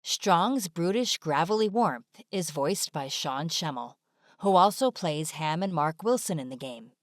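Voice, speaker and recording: A woman's voice: low-pitched, animated, a little slow, no room sound. A woman reading scripted informational narration as a studio-style voice-over. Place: dry studio-like voice-over recording.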